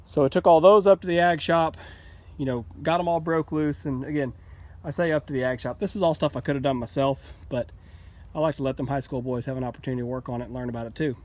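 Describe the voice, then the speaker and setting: A man's voice: medium pitch, steady tone, fast talker, a little mellow. A man, a bit out of breath, casually showing the upgrades on his sawmill in a plainspoken, folksy way. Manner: plainspoken, folksy, explains as he goes. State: a little out of breath. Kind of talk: casual how-to vlog. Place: outdoors at a sawmill.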